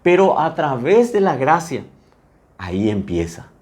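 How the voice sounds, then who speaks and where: A male pastor, preaching a sermon with feeling, swinging between loud bursts and hushed lines. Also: fairly high pitch, sing-song, a little slow.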